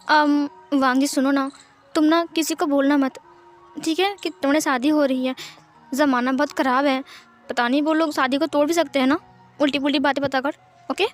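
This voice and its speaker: A woman reading a fan fiction story aloud and speaking all the characters' lines in her own voice. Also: high voice.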